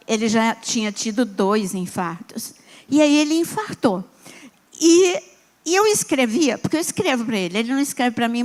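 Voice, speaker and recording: A woman from Brazil preaching, moving from prayerful declarations into chatty personal storytelling. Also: high-pitched.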